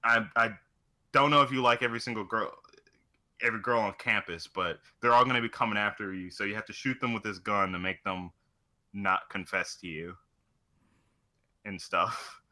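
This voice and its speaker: A man with a very bright, forceful voice on the low side, co-hosting a video game chat. He explains things informally, like retelling a story to a friend. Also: steady tone, moderate pace, long pauses. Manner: informal, loose storytelling with mild swearing. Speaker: podcast co-host. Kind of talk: casual chat about video games.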